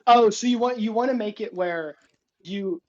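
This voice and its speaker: A man's voice: high voice, moderate pace, highs cut off. A young man running a tabletop game as dungeon master, narrating loosely and chatting about rules.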